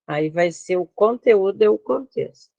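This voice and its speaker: A woman's voice: medium pitch, animated, normal speed, creaky, warm tone, dry recording, dull audio. A Brazilian woman teaching an online class, explaining slides step by step and often checking that her students follow. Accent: Brazilian Portuguese.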